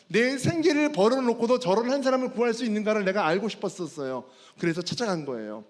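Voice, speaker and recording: A fitness trainer giving a personal faith testimony at a school chapel service. He tells the story with animation and keeps calling out to the audience. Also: sits high. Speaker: fitness trainer and guest speaker. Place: large worship hall. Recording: long hall reverb.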